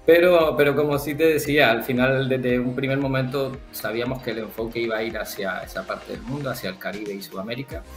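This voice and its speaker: A man from the Canary Islands with a Canarian Spanish accent, a football agent answering interview questions in a thoughtful, halting way with many fillers. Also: mid-range voice, fairly even intonation. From Canary Islands, Spain. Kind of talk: interview guest, casual conversation. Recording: roomy echo with faint background music.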